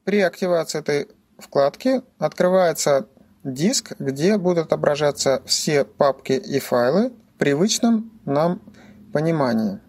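This tutorial presenter, a man, reads scripted instructional narration and explains things methodically, step by step. His voice is fairly high and animated, with a slightly dark tone and a somewhat slow delivery.

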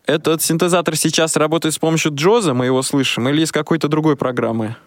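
A man's voice: a little high, steady tone, quick pace, dry recording. A man hosting a radio interview, asking questions in a polite, hedging, hesitant way. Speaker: radio show host and interviewer.

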